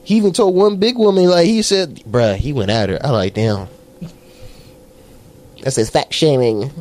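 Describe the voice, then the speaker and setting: A man's voice: mid-range voice, lively intonation, moderate pace, a little mellow. Rambling, profane young male podcaster. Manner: rambling, profane storytelling with laughs. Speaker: podcast co-host. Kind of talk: casual chat.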